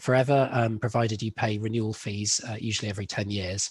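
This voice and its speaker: A man's somewhat breathy voice at a fairly quick pace, fairly even in intonation, with a dry sound and no echo. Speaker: patent attorney. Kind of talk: workshop presentation. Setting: video call. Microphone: video call.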